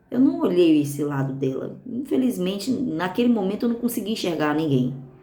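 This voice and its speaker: A woman's dark, mellow, somewhat breathy voice in a Brazilian accent, fairly quick, with very wide pitch swings and audible room echo. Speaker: pastor. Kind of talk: sermon.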